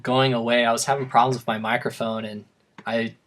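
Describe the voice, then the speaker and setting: A young man talks through a design tutorial in a loose, chatty way, tossing in joking asides. His voice is worn and slightly hoarse from too many takes. It sits at an ordinary middle pitch. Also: little pitch movement, brisk, a bit bright, a little hiss or hum. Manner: casual, rambling, self-deprecating asides. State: voice going hoarse from repeated takes. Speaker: software tutorial host. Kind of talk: screen-recorded tutorial narration.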